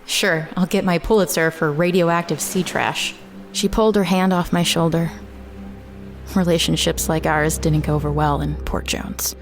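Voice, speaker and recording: Low weary small-town lady reporter telling a creepy audio drama story, music behind her. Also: fairly even intonation, moderate pace. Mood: somber, wry. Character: Lee, weary small-town woman reporter recounting eerie events. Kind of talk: first-person audio drama narration. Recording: prominent music bed under the voice.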